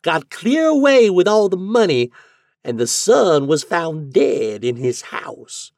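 Man doing a sly old landlady, slow high drawl, loud, sing-song. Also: sing-song, dry recording, clean studio sound, exaggerated voice.

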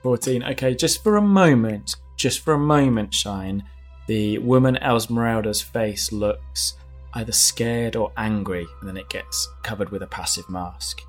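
A man's voice: on the low side, unhurried, soft background music. A man narrating a tabletop role-playing game as game master, in conversational style.

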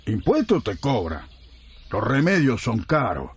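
A man's voice: mid-range voice, wildly swooping pitch, a little slow, husky, no room sound, full character voice. An actor with an Argentine accent playing a downcast, aggrieved old pensioner in a radio drama, complaining as he talks. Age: older.

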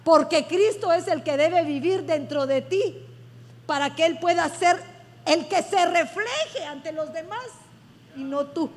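Female pastor, very high voice, emphatic sermon style, long reverb of a church hall. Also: measured pace. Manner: effusive, emphatic preaching.

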